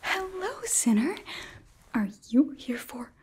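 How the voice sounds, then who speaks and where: A young woman voicing a sweet, earnest demon princess in an ASMR roleplay, breathy and often whispering, with nervous, eager optimism. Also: high-pitched, expressive, slow pace, exaggerated voice. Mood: eager, soothing. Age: young adult. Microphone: close microphone.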